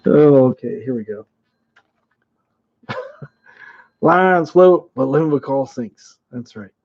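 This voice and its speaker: Man, streamer quiz host, slow unhurried delivery, dull lo-fi audio. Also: medium pitch, animated, vocal fry. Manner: chuckles often, reads viewer names aloud. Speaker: streamer hosting a trivia game. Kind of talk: casual live-chat quiz hosting.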